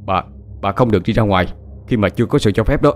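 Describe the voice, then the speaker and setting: A man's voice: lowish voice, quick pace, a little hiss or hum, close to an everyday voice. Man voicing a stern male nurse. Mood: firm.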